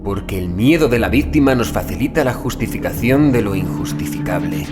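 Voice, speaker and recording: A man reading a scripted horror story as an audiobook narrator, in a grave, deliberate dramatic manner with drawn-out phrase endings. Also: medium pitch. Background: music bed.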